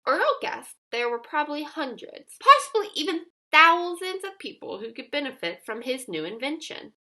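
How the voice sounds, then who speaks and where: High-pitched, animated woman reading a storybook. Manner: expressive, emphatic storytelling with dramatic pauses. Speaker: storybook reader. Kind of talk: scripted read-aloud narration of a children's picture book.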